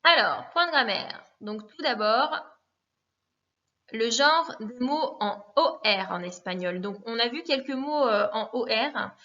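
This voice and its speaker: Woman teacher, methodical and patient, somewhat high, muffled lo-fi sound. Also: lively intonation, unhurried, pushed and bright. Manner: patient, methodical, repeats forms with frequent fillers. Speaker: Spanish teacher. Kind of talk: recorded classroom lesson. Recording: dull lo-fi recording.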